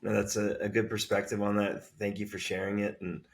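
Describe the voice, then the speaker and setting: A man hosting a podcast, reading a scripted intro and asking questions in a measured, courteous way. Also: fairly low pitch, little pitch movement, husky. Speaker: podcast host.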